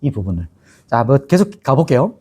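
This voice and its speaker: A man's voice: mid-range voice, very animated, normal speed, darkish tone, husky. A male pastor teaching a Bible-study sermon in a chatty way, asking his listeners questions and laughing often.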